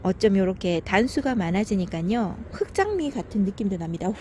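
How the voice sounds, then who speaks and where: Here a succulent gardening vlogger walks her camera through her veranda garden at home, speaking of each plant with affection, chatty asides and small sighs. Her medium-pitched voice is animated and brisk yet a little mellow. It's casual narration over slight background noise.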